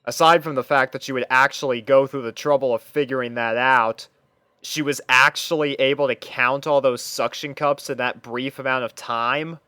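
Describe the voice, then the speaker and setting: A man narrates a scripted fan story in the first person. His voice is smooth and clear, with a conversational storytelling manner. The recording is dry, with little room sound. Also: medium pitch, steady tone, normal speed, bright, forceful tone, no echo. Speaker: narrator and reader playing the first-person lead.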